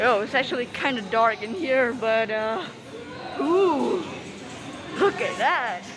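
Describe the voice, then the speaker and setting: Over clear music in the background, a woman speaks at a very slow pace in a high pitch. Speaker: visitor vlogger. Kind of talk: casual vlog chat. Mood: excited, dizzy, laughing. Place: hall. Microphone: phone near.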